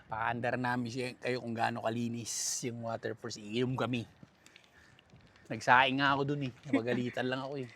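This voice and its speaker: A man's voice: mid-range voice, level tone, normal speed, fairly bright tone. A man hosting a casual hiking vlog, out of breath and joking as he talks to his viewers. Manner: joking, addresses viewers directly. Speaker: travel vlogger. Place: outdoor mountain trail.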